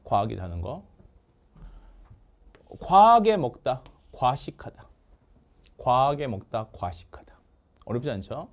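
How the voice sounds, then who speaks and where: A man teaching English vocabulary in a lively lecture, drilling words call-and-response and joking with his producer. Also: medium pitch. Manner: call-and-response drilling, asks "됐습니까?" often; jokes with the producer off camera.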